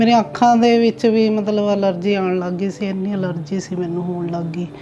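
Fairly even intonation at a medium pitch from a woman, noticeable background noise behind her. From Ludhiana, Punjab, India. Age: 50s. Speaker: patient. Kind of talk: patient testimonial to camera. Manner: casual, conversational.

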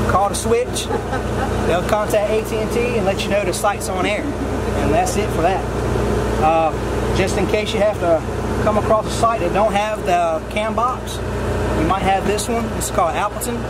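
Loud background noise fills the clip. Through it, a man talks at a moderate pace. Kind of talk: tutorial. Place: open country. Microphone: camera far.

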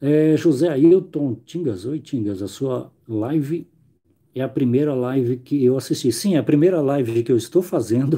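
The tone is dark and mellow, at a fairly slow pace. The background is quiet. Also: man, ordinary pitch variation. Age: 40s. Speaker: math teacher. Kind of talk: live-stream math lesson and chat. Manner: casual, frequent fillers.

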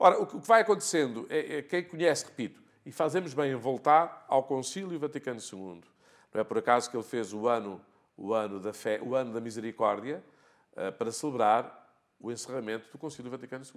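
A man talks at a fairly quick pace and medium pitch with lively intonation. His loudness swings widely over a quiet background. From Portugal. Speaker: talk show guest, priest. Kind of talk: TV talk show commentary. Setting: studio. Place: studio. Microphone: lapel.

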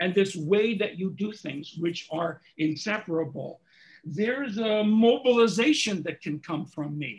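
A man's high-pitched voice moves fairly slowly, with ordinary pitch variation. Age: 70s. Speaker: psychologist and family therapy researcher; interviewee. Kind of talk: interview. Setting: video call. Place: home room. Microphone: webcam.

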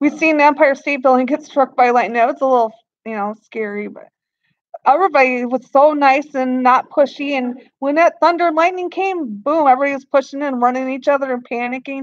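At a fairly quick pace, a woman with a high pitch and an American accent speaks with ordinary pitch variation and big swings in loudness. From Michigan. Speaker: vlogger. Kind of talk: casual chat. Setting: live stream on laptop. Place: home room. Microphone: webcam.

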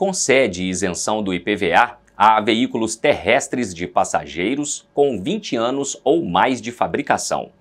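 A man speaks at a fairly slow pace with very wide pitch swings, recorded very cleanly against a silent background. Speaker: news anchor. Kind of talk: news reading. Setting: studio.

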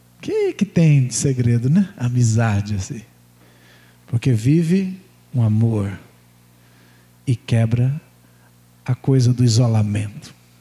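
A man's dark, mellow, somewhat breathy tone, lively intonation, very slow pace, and long, frequent pauses. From Brazil. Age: 50s. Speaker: pastor. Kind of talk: sermon. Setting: church. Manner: animated. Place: church. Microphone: handheld.

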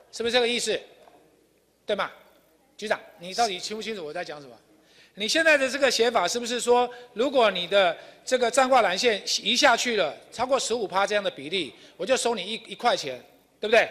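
This man talks at a fairly quick pace in a high, bright, sharp voice with an animated tone and ordinary pitch variation. His loudness swings widely, broken by long, frequent pauses. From Taiwan. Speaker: city councillor. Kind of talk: heated debate. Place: hall. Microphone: podium.

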